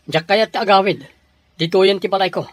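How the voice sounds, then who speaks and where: An actor playing a proud, defiant young adult son in a radio drama, with a Filipino Ilocano accent. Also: male voice, high-pitched, fairly quick, no echo, natural voice.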